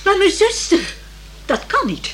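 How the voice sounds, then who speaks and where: High, fluttering, flustered older lady. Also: very animated, a little slow, heavy background noise, full character voice. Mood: desperate. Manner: fretful, stammering repetitions, exclaiming. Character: flustered, imploring well-to-do older lady, opera devotee. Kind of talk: Dutch radio play acting.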